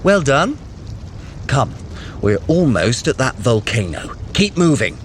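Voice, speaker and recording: Cunning male god, wry, condescending, highly animated intonation, audio drama, faint background rumble. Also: slow pace. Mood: smug. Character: Loki, cunning, sardonic male trickster god, brother of Thor. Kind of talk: scripted audio adventure acting.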